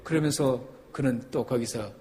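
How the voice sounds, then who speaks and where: Emphatic Korean pastor in a reverberant hall. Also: male voice, mid-range voice, normal speed. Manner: emphatic, rising to loud peaks, asks the congregation questions. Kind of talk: sermon. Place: church sanctuary.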